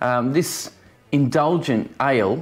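Faint music can be heard in the background. Over it, a man talks with ordinary pitch variation. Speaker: beer reviewer. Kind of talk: casual review chat. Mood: cheerful, laughing. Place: home room.

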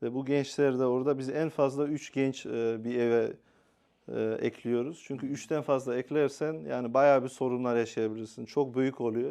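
With a dark, mellow tone, a man talks in a fairly even intonation. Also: medium pitch for a man, moderate pace. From Netherlands, Rotterdam. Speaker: youth care company co-founder. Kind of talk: interview. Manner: halting, many fillers.

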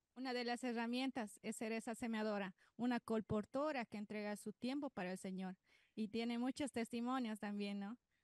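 A woman talks at a moderate pace with fairly even intonation, the sound dry with no echo and the background quiet. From Bolivia. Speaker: church volunteer captain. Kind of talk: testimony. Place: hall.

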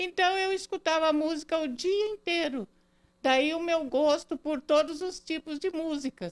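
A woman with an extremely high pitch talks at a fairly slow pace with ordinary pitch variation. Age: 70s. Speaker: retiree, amateur radio host; amateur radio host. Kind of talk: interview. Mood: warm, nostalgic. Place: home room. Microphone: handheld.

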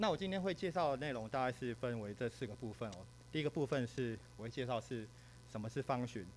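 A man talks at a very fast pace in a medium-pitched voice. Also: lively intonation. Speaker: software developer, conference speaker. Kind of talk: technical talk. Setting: stage with audience.

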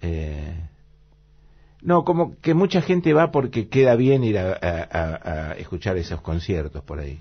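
A man with a very deep, low, somewhat breathy voice talks at a fairly slow pace with very wide pitch swings and long, frequent pauses over a quiet background. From Argentina, Buenos Aires area; Argentina. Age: 70s. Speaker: saxophonist; guest. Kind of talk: radio interview. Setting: radio studio. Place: studio. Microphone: studio mic.

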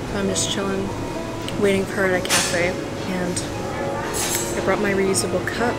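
A woman at a moderate pace over clear background music. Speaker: student vlogger. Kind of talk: casual vlog chat. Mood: relaxed, reflective. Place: cafe. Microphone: camera far.

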